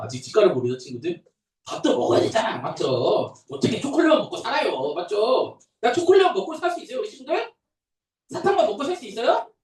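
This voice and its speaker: A young adult man who is a pastor, telling a Bible story to toddlers in a sing-song, animated way. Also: sits high. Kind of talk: children's sermon. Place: church room. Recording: echoey room, voice from a distance.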